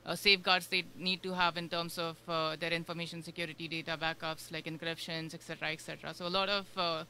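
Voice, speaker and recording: A woman's voice: deep voice, little pitch movement, fast, pushed and bright, slight background noise. A woman from India, a guest on a radio show, talking casually and rambling with many fillers. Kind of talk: casual interview chat. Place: radio studio.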